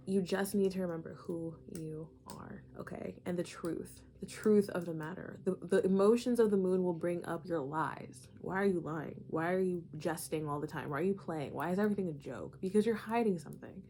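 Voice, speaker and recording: A woman's voice: fairly low pitch, a little fast, hardly any pauses, dark tone, a little hiss or hum. A woman giving a casual, emphatic spiritual monologue, repeating phrases and saying "like" and "y'all" often. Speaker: astrology channeler.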